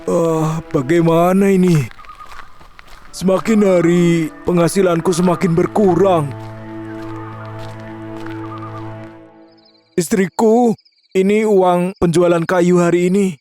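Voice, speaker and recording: Gentle woodcutter father, fairly high voice, worried tone, cartoon. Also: fairly even intonation, unhurried, soft background music. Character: poor, kind-hearted woodcutter father. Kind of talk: cartoon voice acting.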